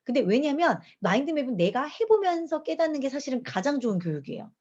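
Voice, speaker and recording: Woman instructor, online lecture, fairly high voice, dull lo-fi audio. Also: fast talker. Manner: lively, asks the audience questions. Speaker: mind map instructor.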